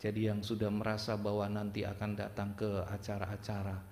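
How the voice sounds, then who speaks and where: There is audible room echo around a man's voice. He speaks fairly low and somewhat breathy. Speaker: pastor. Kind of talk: sermon. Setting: church. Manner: conversational, engages congregation.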